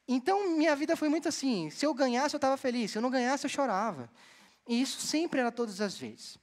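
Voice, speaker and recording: A young man from Bahia, Brazil, preaching a sermon as a seminarian and telling stories with lively delivery. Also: very high voice. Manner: storytelling, animated, addresses the congregation directly. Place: church hall. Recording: long church hall reverb.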